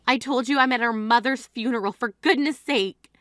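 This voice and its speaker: A woman acting out a blunt, exasperated grieving sister in a drama, scolding her sibling with a high, bright, sharp-edged voice. The sound is close and dry, with no room around it. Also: normal speed, dry recording, lightly acted.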